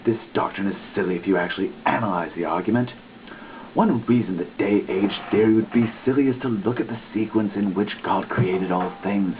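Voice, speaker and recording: A man giving a dramatic reading of a religious text, with deliberate, theatrical emphasis and pauses. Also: low voice. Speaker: reader. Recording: muffled lo-fi phone-like sound, background hiss.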